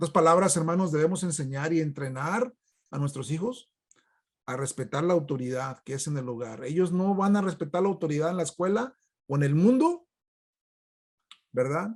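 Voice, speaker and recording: A man with a fairly high voice and lively intonation, at a moderate pace with long, frequent pauses. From Mexico, Jalisco (near Guadalajara), then US from age 7. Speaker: pastor. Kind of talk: sermon. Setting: church online broadcast. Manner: conversational.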